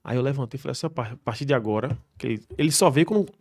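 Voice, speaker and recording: Fast-talking man telling his story. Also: mid-range voice, darkish tone. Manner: emphatic, swears freely, acts out quoted dialogue. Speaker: podcast guest, police soldier. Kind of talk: emotional personal storytelling.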